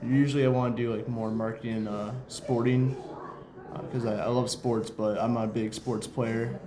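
A man's voice: mid-range voice, little pitch movement, normal speed. Young adult male, American, mid-range voice, unpolished casual interviewee, busy crowd in the background. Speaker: school mascot, interview guest. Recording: crowd chatter behind the voice. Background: crowd chatter.

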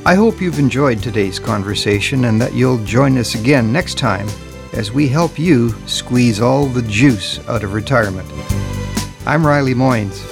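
A man's voice: medium pitch, animated, unhurried, gravelly, over music. A male podcast host who interviews a guest, encouraging him with frequent affirmations. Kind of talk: interview hosting.

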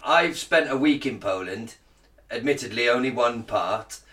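Bright British man, a bit off-mic. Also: medium pitch, expressive, distant mic. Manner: loud, sweary, jokey, quick to laugh. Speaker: podcast co-host. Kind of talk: casual comedic chat.

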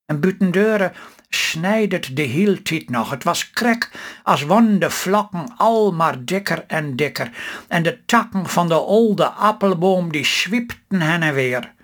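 An older man with a Stellingwerfs accent reading his own story aloud in a calm, measured way. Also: high-pitched. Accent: Stellingwerfs Low Saxon.

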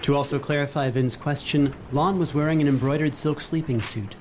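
A man giving clear descriptive narration as game master of a tabletop role-playing game. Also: a little high, fairly even intonation, fairly quick, a little hiss or hum.

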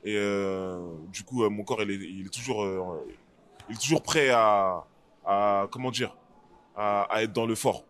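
A man's voice: on the low side, a little slow, fairly bright tone. A man who is an MMA fighter, answering interview questions casually and hesitantly, with many fillers and restarts. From France.

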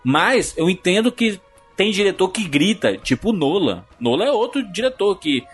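A man with a Brazilian accent co-hosting a podcast about film, talking in an animated, opinionated way with frequent restarts. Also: high-pitched, moderate pace, husky, soft background music. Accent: Brazilian Portuguese. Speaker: podcast co-host. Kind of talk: casual film discussion.

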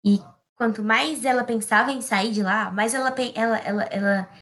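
A woman's voice: a little high, moderate pace, a bit bright. A woman improvising a children's story, playful and rambling with asides.

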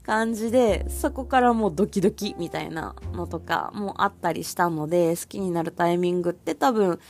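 A woman's voice: on the low side, normal speed, a little mellow. A woman hosting her own podcast, rambling casually with plenty of fillers. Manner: chatty, rambling with many fillers. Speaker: podcast host. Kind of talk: casual solo podcast talk.

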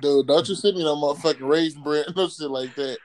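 A man's voice: on the high side, fast. A man with an African American accent co-hosting a podcast in casual, boisterous, joking banter full of swearing. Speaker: podcast co-host.

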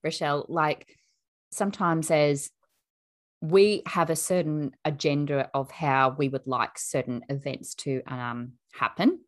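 A woman and mother hosting an interview, speaking in a thoughtful, measured and affirming way. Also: low voice, fairly even intonation. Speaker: podcast host. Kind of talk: reflective interview chat.

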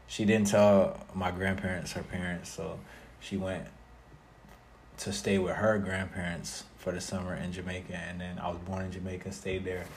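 A young man from South Florida, a guest music artist talking about his life in a relaxed interview, with many fillers. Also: sits low, moderate pace, a little hiss or hum. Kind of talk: casual interview conversation.

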